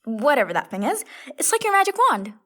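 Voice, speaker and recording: A woman's voice: sits high, sing-song, quick pace, a bit bright, exaggerated voice. A woman playing a practical, wry young female adventurer in an audio comedy drama. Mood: wry, curious. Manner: wry, no-nonsense. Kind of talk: audio fiction comedy acting.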